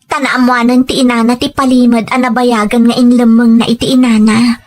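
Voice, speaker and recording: A woman's voice: a little high, flat delivery, fairly quick, a little mellow, close to an everyday voice. A woman playing a humble, anxious young mother in a radio drama, speaking earnestly and deferentially. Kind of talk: Filipino radio drama acting.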